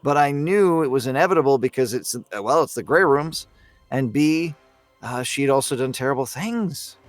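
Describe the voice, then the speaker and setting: A man in a relaxed podcast discussion, speaking at a middle pitch in a very dry recording. He phrases his thoughts hesitantly and thoughtfully, as if working them out while he talks. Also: moderate pace, dry recording, faint music behind. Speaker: podcast panelist. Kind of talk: casual group discussion of a story.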